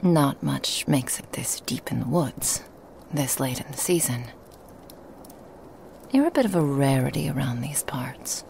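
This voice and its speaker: A woman playing a lonely, hospitable woman in a remote forest cabin, speaking softly and coaxingly in a half-whisper to the listener. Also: very deep voice, lively intonation, unhurried, vocal fry, pauses often, a little hiss or hum, full character voice. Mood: gentle. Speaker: ASMR roleplay performer. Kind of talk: ASMR roleplay, whispered to the listener.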